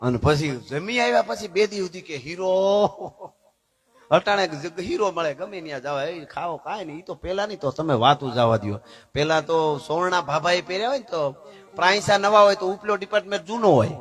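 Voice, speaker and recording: A man, telling a folk tale on stage in a lively, joking, conversational way. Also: high voice, brisk. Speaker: folk storyteller. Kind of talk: Gujarati folk storytelling performance.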